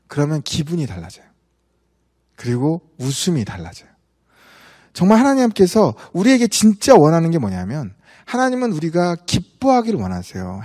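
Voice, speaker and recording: Animated male pastor in echoing church. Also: a little high, husky. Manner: animated, conversational preaching with rhetorical questions. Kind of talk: sermon. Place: church sanctuary. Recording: church sanctuary with long reverb.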